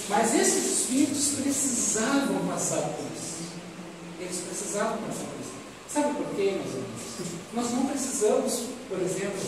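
A man with a Brazilian accent giving a didactic religious lecture, repeating phrases and asking rhetorical questions. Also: high voice. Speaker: speaker at a spiritist lecture. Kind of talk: expository religious lecture to an audience. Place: medium-sized meeting room, indoors. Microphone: distant audience camera. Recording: echoey hall, distant microphone, loud noise.

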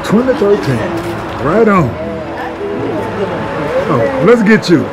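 A man's voice: sits high, very animated, takes it slowly. A man with a Memphis Southern accent, casually interviewing dancers outdoors, friendly and joking, repeating their answers back. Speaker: interviewer and filmmaker. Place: outdoor party in a yard. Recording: loud music and crowd outdoors.

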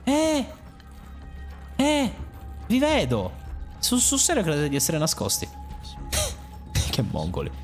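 A young man giving let's play commentary over a game, excitable, swearing at and mocking enemies, his voice jumping into sudden high yelps. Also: unhurried, long pauses, faint music behind. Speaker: gaming YouTuber.

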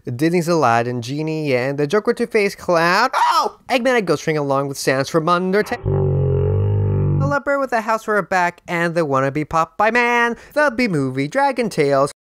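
Animated, theatrical young man over music. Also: on the high side, moderate pace, clear, resonant tone. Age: 20s. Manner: rambling, theatrical, self-interrupting. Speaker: YouTube host. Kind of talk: comedic fandom commentary to camera. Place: small bare-walled room indoors. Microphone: handheld microphone close to the mouth. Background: background music.

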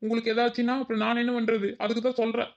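A woman's voice: medium pitch, fairly even intonation, fast talker, lo-fi sound, close to an everyday voice. A woman voicing a lazy, cheeky young village daughter-in-law in a cartoon, dodging cooking with sly excuses. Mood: pleading. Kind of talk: village cartoon comedy acting.

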